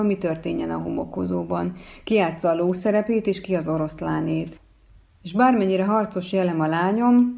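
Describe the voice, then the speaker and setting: A woman reading a first-person story aloud as narrator, in a calm, measured way. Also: fairly low pitch, creaky.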